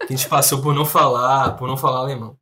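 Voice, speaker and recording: A man's voice: medium pitch, rapid-fire. A man, telling mishap stories in a casual chat and laughing along as he goes. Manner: animated anecdote telling, laughing through stories.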